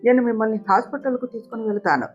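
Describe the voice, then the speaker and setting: A young storybook hero speaks in tearful urgency, as a woman narrator plays him. His voice is pressing and distraught. The recording sounds a little dull, with gentle guitar music running beneath. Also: on the high side, rapid-fire, close to an everyday voice. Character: young man, grieving angry son and husband.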